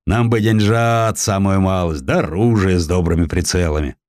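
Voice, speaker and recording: An actor voicing a brash, folksy Cossack chieftain who talks boastfully and defiantly in colloquial peasant speech. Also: male voice, low voice, moderate pace, a little mellow, no echo, natural voice.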